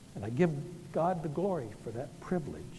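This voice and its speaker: A man with a Southern US accent, fairly high pitch and very wide pitch swings, dark, mellow tone and vocal fry, moderate pace, audible room echo. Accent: Southern US, still audible. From US South. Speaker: pastor. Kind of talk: sermon.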